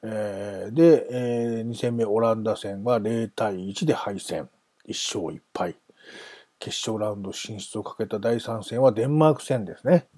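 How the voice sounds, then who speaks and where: A man's voice: on the low side, normal speed, mellow, husky, dry recording. A man hosting a casual solo talk, chatty and self-amused, wandering off into asides. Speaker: podcast host.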